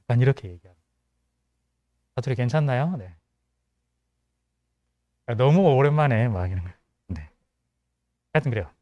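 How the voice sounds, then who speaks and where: A man's voice: medium pitch, expressive, normal speed, long pauses, no room sound, lo-fi sound. Man preaching, mild Gyeongsang accent. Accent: mild Gyeongsang Korean. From Gyeongsang region of South Korea. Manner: conversational, with joking asides. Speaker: pastor. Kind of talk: sermon to a young adults' congregation.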